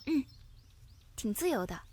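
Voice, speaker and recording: A woman voicing an easygoing, polite young university student in a visual novel, with a gentle, hesitant manner. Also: on the high side, very animated, a little slow, a little hiss or hum.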